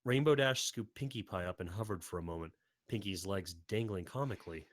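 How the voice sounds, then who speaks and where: Low-voiced man narrating a story. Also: a little fast, no echo, clean studio sound. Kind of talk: scripted dramatic story narration.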